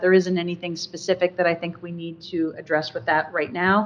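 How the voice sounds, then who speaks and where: Speaking at a fairly quick pace, a woman has a fairly low voice. It is an ordinary speaking voice. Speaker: county commissioner. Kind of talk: committee meeting.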